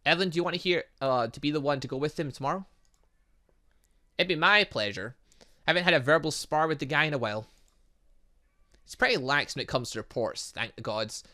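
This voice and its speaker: A man with a fairly high, bright voice hosts a gaming video. He reads dialogue aloud with lively swings in pitch, drops in casual remarks, and trips over words before fixing them. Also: fairly quick, long pauses. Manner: stumbles over words when reading, self-correcting. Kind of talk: casual let's-play, reading game dialogue aloud with asides.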